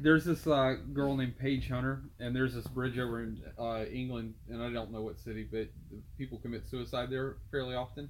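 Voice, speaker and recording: The pitch is medium for this man, and his pace is fairly quick. He has a plain, everyday voice with fairly even intonation. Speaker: podcast co-host. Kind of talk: casual chat.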